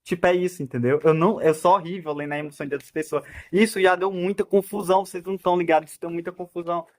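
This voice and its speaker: A man's voice: high-pitched, steady tone, racing. A man in his twenties with a Brazilian Portuguese accent, talking in a casual, rambling monologue full of restarts. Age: 20s. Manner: talkative and rambling, with self-interrupting restarts and frequent laughs. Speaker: vlogger.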